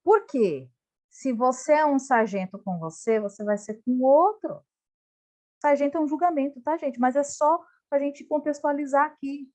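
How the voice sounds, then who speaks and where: A Brazilian woman teaches an online study group over a video call. Her voice sits a little high and swings widely, full of animated rises and falls. She talks directly to the group. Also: normal speed. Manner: lively, talks straight to the group.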